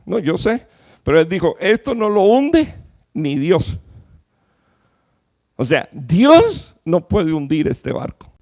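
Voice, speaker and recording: A man preaching in a fairly high voice that leaps upward on the words he stresses, then sinks low and soft. He quizzes the congregation with questions and often restarts a phrase mid-thought, delivering it from a church stage mic. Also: sing-song, slow pace, long pauses. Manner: emphatic preaching, rhetorical questions, swings between loud peaks and low drops; fillers and restarts while explaining. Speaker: pastor. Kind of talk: sermon.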